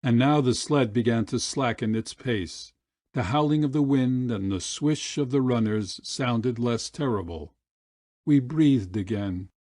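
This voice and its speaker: A man narrating an audiobook short story in a measured, deliberate storytelling manner. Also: medium pitch, darkish tone, no room sound, studio quality.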